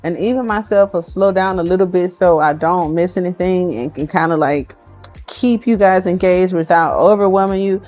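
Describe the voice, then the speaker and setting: A woman doing a casual tarot card reading for her viewers, chatty and excitable as she thinks aloud. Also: fairly low pitch, moderate pace, soft background music.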